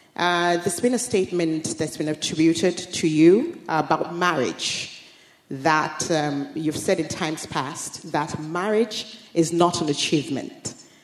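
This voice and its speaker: Against noticeable background noise, a woman with a fairly low pitch speaks at a fairly slow pace with ordinary pitch variation. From Nigeria. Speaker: audience member. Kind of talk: audience question. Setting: stage with audience.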